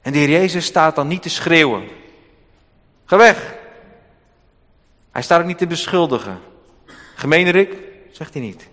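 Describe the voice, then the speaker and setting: A man preaching a sermon, with sharp swings in loudness and emphasis. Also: a little high, expressive, a little fast. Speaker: pastor. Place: church. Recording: long hall reverb.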